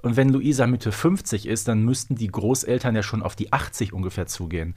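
A man's voice: on the low side, a little fast, warm tone, husky. Man of forty in casual podcast chat. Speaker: podcast co-host. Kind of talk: casual fan podcast discussion.

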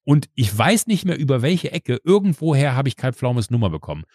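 A man's voice: mid-range voice, a little fast, no room sound, studio quality. A man in his forties hosting a podcast, telling a story casually and animatedly, acting out what people said, with frequent fillers. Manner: animated, acts out quoted dialogue, frequent fillers. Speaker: podcast host.

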